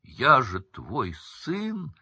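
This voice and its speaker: A man's voice: deep voice, very animated, takes it slowly, pushed and bright, slightly rough, no echo, exaggerated voice. A man voicing a desperate young male prisoner who cries out and begs to be spared. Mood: begging. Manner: pleading, crying out, near shrieking.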